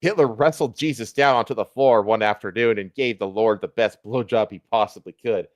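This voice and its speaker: A man's voice: fairly low pitch, fairly quick, no room sound. Man reading aloud in a dry, close studio sound. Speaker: streamer reading fan fiction aloud. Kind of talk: live comedic dramatic reading.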